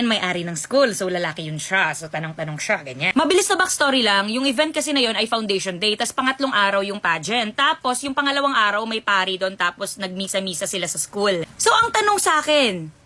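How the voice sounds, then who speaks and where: A high-voiced young woman tells casual storytime anecdotes straight to her viewers. She is chatty and gossipy, calls them "te" and drops English words into her talk. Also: big pitch swings, a little fast, few pauses, sharp tone. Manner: chatty, gossipy, addresses listeners as "te", mixes in English. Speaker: storytime vlogger.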